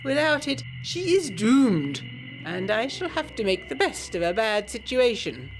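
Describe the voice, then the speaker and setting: A man's voice: sits high, very animated, unhurried, music in the background, voice pushed up, low-quality recording. A woman voicing a menacing, haughty older lord in a period audio drama, with clipped threats and formal old-fashioned speech. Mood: grave.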